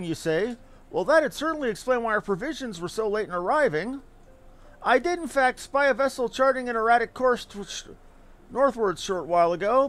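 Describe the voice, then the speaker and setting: A man voicing a formal, measured outpost officer in a fantasy video game. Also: extremely high pitch, fairly bright tone.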